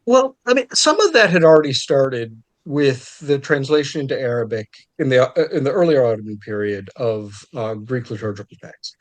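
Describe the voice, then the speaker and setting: A man's voice: medium pitch, expressive, normal speed, hardly any pauses. A man speaking as a historian guest, explaining in detail in a conversational, scholarly way and often restarting his phrases.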